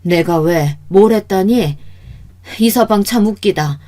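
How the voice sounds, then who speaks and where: A woman's voice: medium pitch, slow, dark tone, natural voice. A woman voicing a stubborn, scheming older mother-in-law who snaps back with indignant retorts. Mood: defensive.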